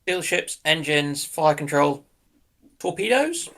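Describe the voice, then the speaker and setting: A man's voice: on the high side, big pitch swings, takes it slowly, creaky, fairly bright tone. A man chiming in casually during a panel discussion. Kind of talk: casual chat.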